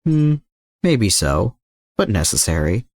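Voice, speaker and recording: A man plays an older male villain in a storybook adventure. His low voice is calm and unhurried, smugly insinuating menace, in a very dry recording. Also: dry recording, full character voice.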